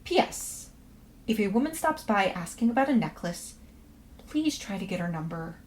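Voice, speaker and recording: Reading a house-sitting instruction letter aloud, an actress portrays a quirky, polite woman professor in a promo for a fiction podcast, her tone reassuring and businesslike. The performance is lightly acted, with a medium-pitched, sing-song female voice at a moderate pace. There's faint ambience and background noise.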